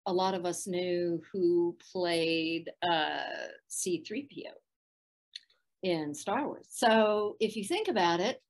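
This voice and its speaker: A middle-aged woman with a soft, soothing voice, chatting as a guest in a video-call interview from a room at home, laughing often. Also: on the low side, slow pace. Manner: warm, laughs often, thoughtful. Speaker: voice actress guest.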